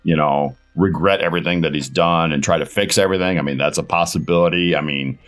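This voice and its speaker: A man speaking as a guest voice actor in a casual interview, halting and thinking aloud as he answers. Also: a bass voice, fairly even intonation, soft background music.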